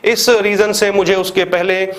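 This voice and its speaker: A man's voice: sits high, level tone, unhurried, fairly bright tone. A man with an Indian accent teaching a grammar lesson for exam students, asking questions and answering them himself, repeating examples step by step. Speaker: English teacher for exam prep. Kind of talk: classroom lecture.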